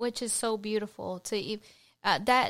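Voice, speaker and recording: The speaker has a New Jersey accent and a moderate pace. The recording is very clean, with a silent background. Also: woman. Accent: New Jersey American. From US Northeast, New Jersey. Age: 30s. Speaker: podcast host. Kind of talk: casual interview chat. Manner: warm, laughs often.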